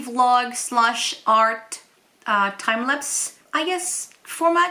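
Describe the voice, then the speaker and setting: With a French accent, a woman uses a raised, projected voice that is high in pitch and bright and sharp in tone, speaking at a very slow pace with ordinary pitch variation. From France. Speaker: artist and YouTuber. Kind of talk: casual vlog talk. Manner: hesitant, many fillers.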